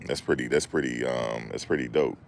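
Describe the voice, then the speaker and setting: This livestream host has a gravelly bass voice with fairly even intonation and speaks fairly quickly, with slight background noise present. He keeps a loose, joking, rambling chat going with viewers and replies to chat.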